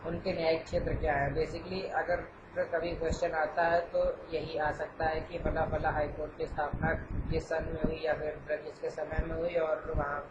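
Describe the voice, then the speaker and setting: Teacher in an echoey, noisy room. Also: male voice, a little high, flat delivery, normal speed, dull audio. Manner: explains patiently, with frequent "theek hai" check-ins. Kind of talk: exam-prep lecture.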